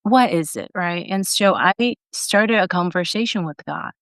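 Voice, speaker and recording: A woman's voice: lowish voice, measured pace, a bit bright, no room sound, clean studio sound. A woman in her forties who grew up in Taiwan, telling her life story as a podcast guest in an earnest, reflective way. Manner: earnest and reflective, with fillers and restarts. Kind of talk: conversational interview storytelling.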